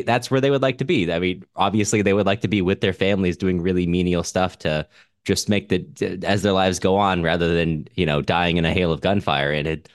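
A man with a very low voice talks through a book as a podcast co-host. His delivery is casual and slightly wry, and the recording is close and dry. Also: no echo. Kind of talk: casual book discussion, reading out listener comments.

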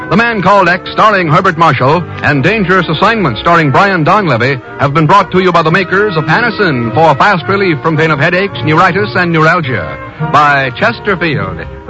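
American guy, old radio announcer from the 50s, formal and polished, highish voice, music playing, muffled sound. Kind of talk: old-time 1950s radio announcing, scripted.

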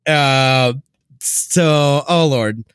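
A man's voice: mid-range voice, extremely slow, fairly bright tone, smooth, dry recording. A man co-hosting a podcast in casual, informal chat. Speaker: podcast co-host.

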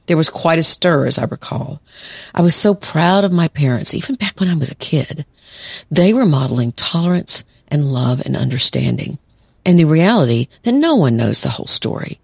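Gravelly reflective woman. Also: sits low, lively intonation, normal speed, no echo, clean studio sound. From southern United States. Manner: reflective, storytelling. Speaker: podcast host, therapist. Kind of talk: advice podcast monologue.

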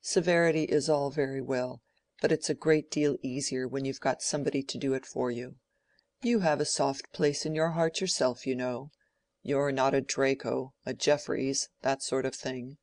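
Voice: mid-range voice, steady tone, normal speed, darkish tone, no echo, natural voice. Older male squire, rambling and fretful, audiobook, reader doubling; dry booth. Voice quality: rambling, peppered with "you know". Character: rambling, distracted older male country gentleman. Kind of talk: audiobook character voice.

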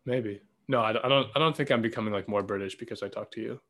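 A man's voice: lowish voice, quick pace, fairly bright tone. A man with a light Canadian accent riffs easily in casual podcast chat. He is teasing and playful, and he rambles through his points with a loose, conversational ease. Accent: mild Canadian. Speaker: podcast co-host. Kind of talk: casual banter.

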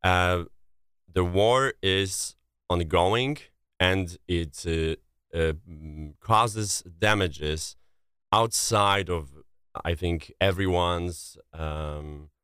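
A man from Poland with a thick Polish accent, answering as an interview guest and often pausing to search for words. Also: deep voice, fairly bright tone, clean tone, no room sound, studio quality. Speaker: interview guest, relief coordinator.

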